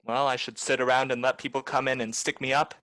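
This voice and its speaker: Radio play private eye, male actor: cynical wisecracker, nonchalant tough talk, mid-pitched, dry sound. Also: little pitch movement, quick pace, sharp tone, no room sound, lightly acted. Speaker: actor, lead and narrator. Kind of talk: film noir radio play acting.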